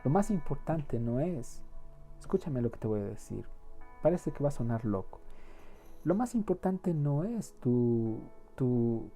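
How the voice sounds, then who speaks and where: A man's voice: medium pitch, big pitch swings, a little slow, dark tone, faint music behind. A man preaching a sermon in an earnest, pleading way, often repeating words as he searches for them, then moving into prayer.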